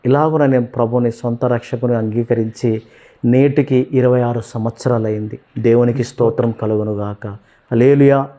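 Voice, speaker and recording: A man's voice: mid-range voice, steady tone, moderate pace, warm tone. A man in his fifties with a Telangana Telugu accent, earnestly telling his Christian testimony and addressing listeners as beloved. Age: 50s.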